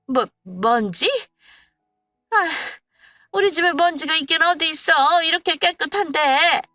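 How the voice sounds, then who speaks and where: A woman's voice: sits high, expressive, unhurried, bright, forceful tone, no echo, faint music behind, pitched above the performer's own voice, heavily acted. A woman voicing a stubborn, self-pitying older mother-in-law who whines and scolds. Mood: grumbling. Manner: whiny, scolding, later pleading.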